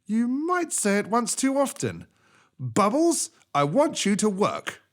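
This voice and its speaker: Man playing a commanding, wily desert djinn, pitched up. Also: huge pitch swings, slow, heavily acted. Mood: stern warning. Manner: emphatic, admonishing.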